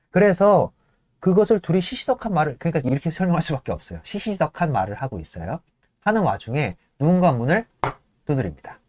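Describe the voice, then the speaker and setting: A man hosting a casual show, retelling the scenes of a play and acting out the lines of its characters. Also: fairly high pitch. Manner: lively, breaks into laughter and apologizes; acts out lines in quick voices. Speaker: host.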